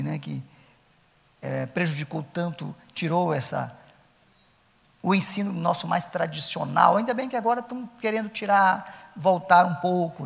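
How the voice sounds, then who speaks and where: A man's voice: a little high, gravelly, husky, long reverb tail. A middle-aged man with a Brazilian Portuguese accent, lecturing Sunday school teachers at a church conference, emphatic and repeating his key points.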